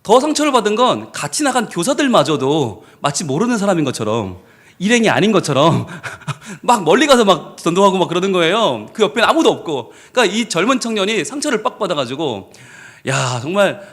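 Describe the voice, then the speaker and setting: Pastor guy preaching, animated storyteller, high voice that swings all over. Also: brisk. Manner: animated, acts out the people in his story. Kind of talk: storytelling sermon. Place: church service.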